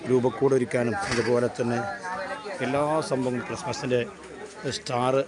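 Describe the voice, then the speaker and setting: Male vlogger, Kerala accent, mid pitch. Enthusiastic, repetitive, casual commentary in Malayalam-English mix, over loud market crowd. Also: level tone, normal speed. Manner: mixes English words into Malayalam. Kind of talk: casual walking vlog commentary. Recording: busy outdoor market crowd noise.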